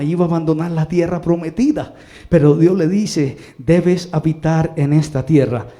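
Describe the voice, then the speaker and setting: Colombian male pastor, sermon delivery, fairly high and gravelly, big swings from soft asides to shouts. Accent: Colombian Spanish. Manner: preaching with swings from quiet asides to shouted lines.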